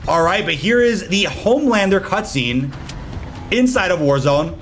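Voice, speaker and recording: A man's voice: high-pitched, lively intonation, moderate pace, background noise. A man hosting a gaming video with casual, slangy gameplay commentary. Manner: slangy, informal.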